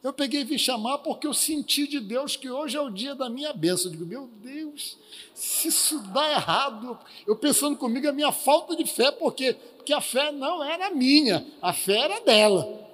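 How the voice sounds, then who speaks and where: Brief: Brazilian male preacher, high-pitched, telling a lively testimony, reverberant church. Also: fairly quick. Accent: Brazilian Portuguese. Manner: lively storytelling with acted quotes. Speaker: pastor. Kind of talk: sermon testimony storytelling.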